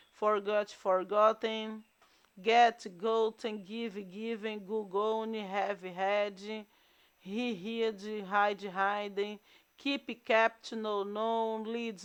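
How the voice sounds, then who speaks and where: A woman's voice: mid-range voice, smooth. A Brazilian woman teaching an English grammar lesson, explaining rules step by step and reading out long word lists. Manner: slow, deliberate explanations with drawn-out word lists. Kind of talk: recorded class lesson.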